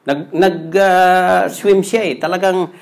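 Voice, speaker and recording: A Filipino man, a Tagalog speaker, preaching a sermon as pastor in simple, halting English with many repeated phrases. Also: high-pitched, level tone, gravelly.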